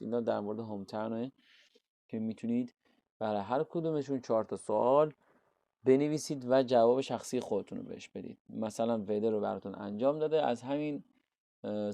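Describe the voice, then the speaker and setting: A man's voice: medium pitch, gravelly, warm tone, no room sound. Persian-accented man teaching an English lesson. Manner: reads English examples slowly, explains in Persian. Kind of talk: IELTS lesson walkthrough.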